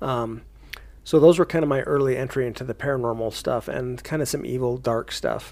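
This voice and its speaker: A man talks at a fairly quick pace at a medium pitch. He has an unremarkable speaking voice with ordinary pitch variation. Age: 40s. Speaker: paranormal investigator, retired police officer. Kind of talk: casual chat.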